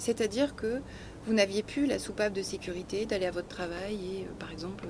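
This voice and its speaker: Noticeable background noise surrounds a woman's voice. She speaks at a medium pitch with ordinary variation. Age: 30s. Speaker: parenting coach. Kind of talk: interview. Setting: yurt office. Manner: hesitant with many fillers.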